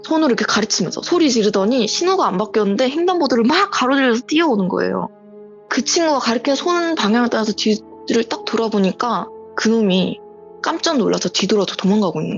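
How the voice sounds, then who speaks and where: Woman on a muffled call telling a story. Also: fairly high pitch. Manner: vivid, breathless retelling that acts out quoted lines. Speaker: viewer sharing a true story by voice call. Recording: muffled voice call with faint music.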